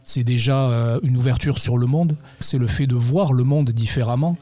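A man who teaches English, answering interview questions in a measured, thoughtful way. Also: medium pitch, warm tone.

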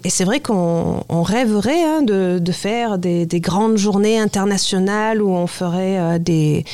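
A woman's voice: mid-range voice, unhurried, mellow, dry recording, clean studio sound. A woman from Germany who teaches German, answering interview questions thoughtfully and searching for words. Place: high school.

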